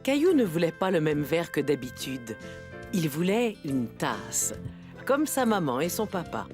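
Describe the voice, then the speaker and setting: A woman narrating a children's cartoon as a gentle, expressive storyteller, reading scripted lines. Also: deep voice, unhurried. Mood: gentle storytelling. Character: gentle female storyteller of a preschool tale. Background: music.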